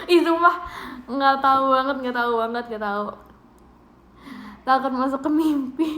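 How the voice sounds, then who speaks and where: A young woman with an Indonesian accent, chatting playfully and with lots of giggles as she hosts a home livestream. Her voice sits high and bright. The room adds a roomy echo. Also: slow pace, pauses often. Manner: playful, giggly, reads out viewer gifts. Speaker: idol livestream host. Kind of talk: casual livestream chat to viewers. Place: bedroom at home.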